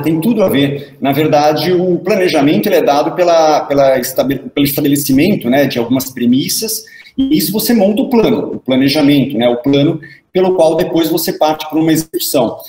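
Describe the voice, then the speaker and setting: A man's voice: fairly high pitch, darkish tone. Brazilian man in an echoey room. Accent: Brazilian Portuguese. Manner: measured, uses tag questions. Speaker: consultant panelist. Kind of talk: conversational analysis.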